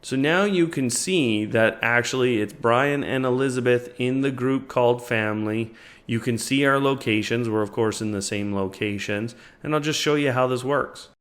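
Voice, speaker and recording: A man's voice: medium pitch, normal speed. Man casually narrating a product tutorial. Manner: casual, explanatory. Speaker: tech reviewer and tutorial host. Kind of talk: step-by-step product demo narration.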